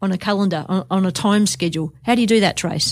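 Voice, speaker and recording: The speaker talks at a fairly quick pace with an Australian accent. The recording is very clean, with a silent background. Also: woman. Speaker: radio host. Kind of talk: sports radio chat. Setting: radio studio.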